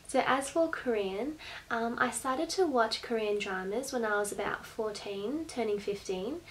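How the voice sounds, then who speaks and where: A young woman from Australia with an Australian accent, chatting to camera in a small bedroom in a friendly way with soft laughs. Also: mid-range voice, a little hiss or hum, low-quality recording. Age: young adult. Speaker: vlogger. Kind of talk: casual talk to camera. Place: small bright bedroom, indoors. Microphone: camera at desk distance.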